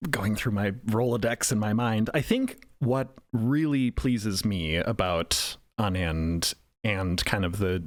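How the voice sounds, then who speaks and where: A man with a fairly low voice thinks aloud, wandering through his ideas with frequent fillers and pauses. The recording is close and dry. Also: no echo. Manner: musing, hesitant, with fillers. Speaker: writer and podcast co-creator. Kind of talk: casual roundtable chat.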